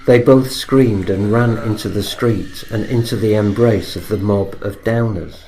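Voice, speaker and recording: A man's voice: lowish voice, unhurried, dark tone, rough recording. A man narrating a scripted comic horror story as its storyteller.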